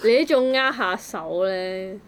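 Woman, Hong Kong Cantonese accent, mid pitch, casual talk, playful reasoning aloud, co-host. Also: lively intonation, measured pace, a little hiss or hum. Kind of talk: casual conversational discussion.

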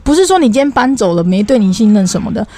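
A young woman, co-hosting a podcast and telling stories in an animated, exasperated way, with some swearing. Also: medium pitch, racing. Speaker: podcast co-host. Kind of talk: casual storytelling chat.

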